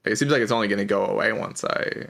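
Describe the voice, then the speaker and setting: A man livestreaming a game and chatting casually, with heavy vocal fry, a low-energy hesitant delivery and a voice strained by a lingering cough. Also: fast, a bit bright. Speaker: game streamer. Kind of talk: casual livestream chat while playing a game.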